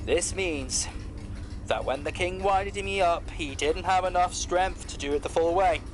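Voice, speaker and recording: A man's voice: high voice, unhurried, slight background noise. An actor playing a polite, loyal clockwork man who explains things formally in an audio drama. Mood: matter-of-fact. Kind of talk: scripted audio drama acting.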